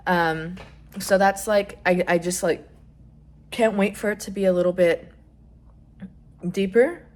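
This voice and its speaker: A young trans man chatting casually in a vlog, rambling with lots of fillers and some swearing, his voice rising when he gets excited. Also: measured pace. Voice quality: voice still fairly high, rising when excited. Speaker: vlogger.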